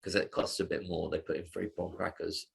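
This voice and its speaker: A man's voice: low voice, little pitch movement, a little fast, creaky, slightly rough. A man co-hosting a podcast, chatting casually, rambling and laughing often. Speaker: podcast co-host. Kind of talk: casual chat. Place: Brighton.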